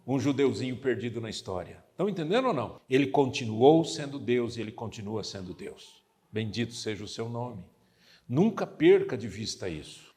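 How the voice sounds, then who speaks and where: Male pastor with a Brazilian accent, animated sermon with a lively, swinging pitch, recorded in an echoey church hall. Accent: Brazilian Portuguese. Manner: animated preaching, acts out voices of churchgoers and Bible figures; asks the congregation questions. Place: church sanctuary.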